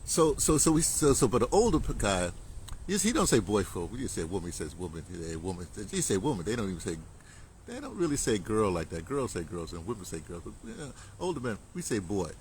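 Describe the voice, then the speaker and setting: A man's voice: on the low side, very animated, a little fast, a little mellow, slight background noise, rough recording. A man in his seventies, talking in a rambling, casual monologue that is full of restarts and slang, chuckling now and then. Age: 70s. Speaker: commentator.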